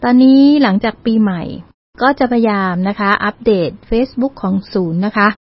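On a dull, lo-fi community radio recording, a Thai presenter from a university learning centre gives an educational talk. Her mid-range voice is husky and at a normal speed, and she speaks politely, with many particles and English words mixed in.

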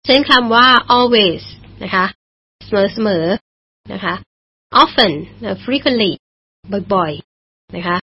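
Husky woman teaching English slowly. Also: mid-range voice, lively intonation. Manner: patient, explains slowly, repeats English phrases. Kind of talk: radio English lesson. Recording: dull lo-fi broadcast recording.

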